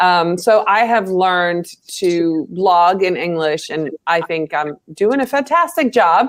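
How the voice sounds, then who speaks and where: A woman with a Dutch accent talks at a very slow pace, her medium-pitched voice carrying lively intonation. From Netherlands. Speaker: social media marketer and blogger. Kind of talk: casual chat.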